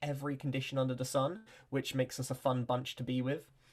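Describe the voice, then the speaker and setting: Very fast speech in a southern English accent. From England. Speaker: workshop presenter. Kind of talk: online workshop. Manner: animated.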